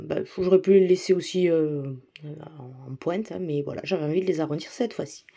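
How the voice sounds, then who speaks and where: Woman host, low-ish mellow voice, casual craft voice-over, rambling with fillers. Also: vocal fry. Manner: chatty, many fillers and restarts; self-deprecating, enthusiastic about materials. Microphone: voice-over mic.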